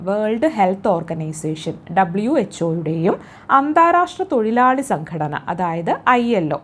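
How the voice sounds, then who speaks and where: A Malayali woman runs a spoken quiz lesson and answers each of her own questions, saying every answer twice. Her pitch swings up for each question and drops as she settles the answer. She keeps checking that the listener is following. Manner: coaxing, checks the listener with "kēṭṭō" and "allē". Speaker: exam tutor.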